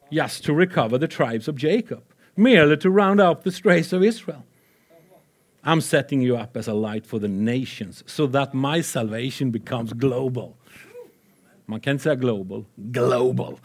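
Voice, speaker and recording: A man preaching a lively sermon with Bible readings, excitable and playful, swinging between loud and soft. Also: on the high side.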